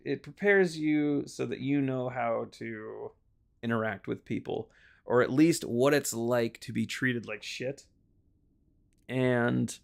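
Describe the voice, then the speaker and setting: Brief: male streamer, mid pitch with a creaky edge, rambling and off-the-cuff. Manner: rambling, many restarts and asides. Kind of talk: casual storytelling while gaming.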